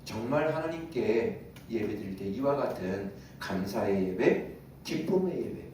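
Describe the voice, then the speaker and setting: A man's voice: lowish voice, animated, unhurried, a little mellow, slight background noise. A male pastor giving a Sunday sermon in a conversational way, asking his congregation questions and chuckling now and then. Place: church sanctuary. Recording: very echoey room, voice from a distance.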